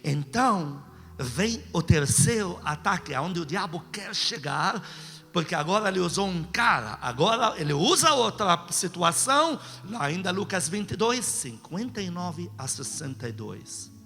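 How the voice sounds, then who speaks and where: A man's voice: high-pitched, big pitch swings, a little slow, sharp tone. A man with a Brazilian accent preaching emphatically to a congregation as a pastor, exhorting and posing rhetorical questions. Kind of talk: sermon with call and response. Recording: long hall reverb, music behind.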